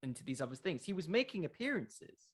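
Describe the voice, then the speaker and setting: A man's voice: on the high side, very animated, brisk, breathy edge. A man answering questions in a casual interview, thinking aloud and repeating words as he goes. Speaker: podcast creator, interview guest. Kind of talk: casual interview chat about wrestling fiction.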